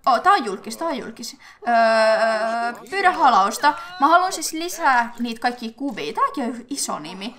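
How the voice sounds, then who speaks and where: Young woman, gaming commentary, raised pitch, very animated, thinks aloud, excitable. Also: hardly any pauses. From Finland. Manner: chatty, thinks aloud with filler sounds, bursts of excitement. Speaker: gaming YouTuber. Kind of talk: casual let's-play commentary.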